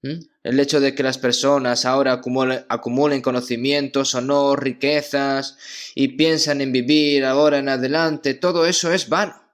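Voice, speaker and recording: A man preaching a sermon as pastor in a church, in a measured delivery that keeps checking in with his listeners through short questioning tags. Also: mid-range voice, little pitch movement.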